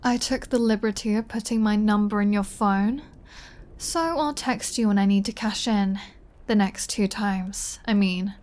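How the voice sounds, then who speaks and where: A woman's voice: mid-range voice, a little mellow, lightly acted. Casting: a woman to play a seductive, possessive vampire lady for ASMR audio drama; leisurely delivery, teasing menace. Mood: teasing, commanding. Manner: slow, teasing, playfully threatening.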